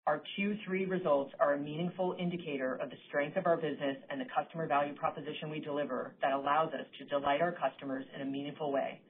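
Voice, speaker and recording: A woman speaks over a narrowband conference phone line, reading a scripted financial presentation. She sounds like a company executive, formal and measured in her delivery. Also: low-pitched. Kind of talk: scripted earnings call presentation.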